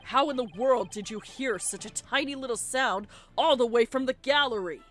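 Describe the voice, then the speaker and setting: A woman's voice: fairly high pitch, moderate pace, a bit bright, faint music behind, pitched above the performer's own voice, close to an everyday voice. A woman voicing a skeptical, dry-witted male defense lawyer in a courtroom game, questioning and wry. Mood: incredulous.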